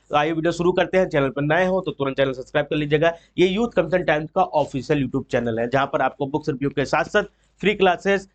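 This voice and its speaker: A man presenting an exam-prep book walkthrough in an informal, explanatory way, mixing in English terms. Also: fairly high pitch. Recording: dull, lo-fi sound.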